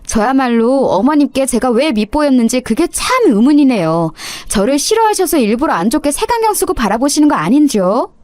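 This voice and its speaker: A woman's voice: high voice, sing-song, fairly quick, hardly any pauses, a little mellow, no room sound, clean studio sound. A woman voicing a young, insolent daughter-in-law who talks back with sarcastic, mock-polite cruelty, for a radio story drama. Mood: defiant.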